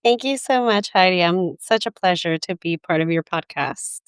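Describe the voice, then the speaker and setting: Attorney guest, young woman from the Dominican Republic, lower, very clear voice, dry sound. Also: expressive, no echo. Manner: measured, explanatory, with frequent ums. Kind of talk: interview answers.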